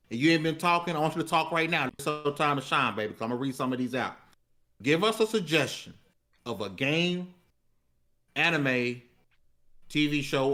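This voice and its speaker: A man's voice: on the high side, bright, forceful tone. A man hosting a livestream, speaking casually and directly to viewers in slangy, hyped-up appeals. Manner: direct, slangy, hyping the audience. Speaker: livestream show host.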